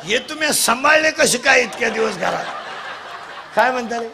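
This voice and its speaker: A man giving a comic kirtan sermon, teasing and quizzing the children in the crowd and demanding loud answers. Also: very high voice, expressive, moderate pace, gravelly, noisy background. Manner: bursts into shouts at times. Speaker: kirtan preacher. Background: audience sounds.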